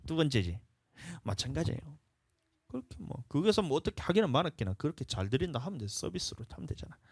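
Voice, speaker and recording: Lively pastor man preaching, dry sound. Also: fairly high pitch, fast, gravelly, slightly rough, no room sound. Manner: animated, playfully acts out what people say. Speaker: senior pastor. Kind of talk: lively sermon. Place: church sanctuary.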